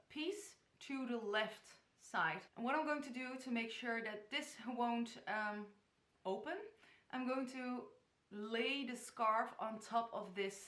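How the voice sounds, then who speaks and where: A young woman from the Netherlands chats her way through a casual tutorial, giggling and stumbling over place names. Her voice is clear and bright and sits a little high. The bedroom around her gives it a noticeable echo. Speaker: hijab tutorial vlogger. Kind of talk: casual tutorial talk to camera. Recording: echoey bedroom.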